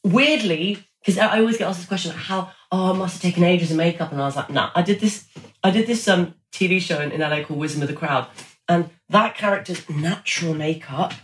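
A man's voice: high voice, a little fast, a bit bright. A man chatting casually and enthusiastically as an actor being interviewed, telling anecdotes and quoting himself. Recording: roomy echo, background noise.

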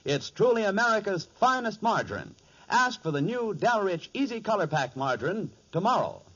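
A male announcer from old-time radio with a slightly high, animated voice. He delivers sponsor copy in a polished, emphatic way, on a dull vintage recording with some music. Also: moderate pace. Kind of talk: 1940s scripted radio announcing and sponsor pitch.

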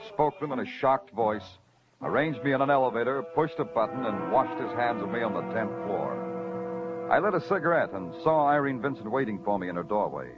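Man acting as a terse hard-boiled detective, dry wisecracks, animated delivery, muffled old radio sound, music underneath. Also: medium pitch, close to an everyday voice. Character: hard-boiled male police detective narrator.

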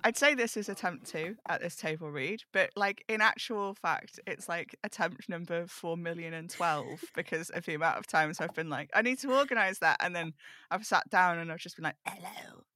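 Bright, rambling podcast host. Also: mid-range voice, moderate pace. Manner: rambling, self-deprecating. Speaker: podcast host and cast member. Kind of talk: casual chat.

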